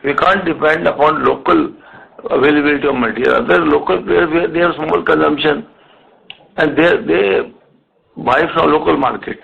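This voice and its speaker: A man with an Indian accent answering questions as a company executive on an earnings call, in a halting way with repeated words. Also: fairly high pitch, fairly even intonation, creaky, breathy edge. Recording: muffled narrow phone conference line.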